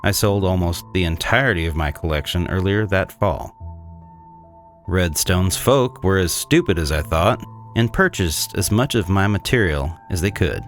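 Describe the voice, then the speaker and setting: A man playing a cynical, disdainful 1800s swindler, narrating a gothic horror tale in a measured, condescending way. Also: low-pitched, animated, soft background music. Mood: disdainful, brooding. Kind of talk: scripted dramatic horror narration.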